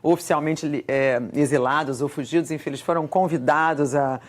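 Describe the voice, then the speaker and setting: Low-voiced reflective woman from Rio. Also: fairly even intonation. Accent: Brazilian Portuguese, Rio de Janeiro. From Brazil. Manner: reflective, measured, with many restarts. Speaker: guest, screenwriter and editor. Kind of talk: interview conversation. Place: television studio.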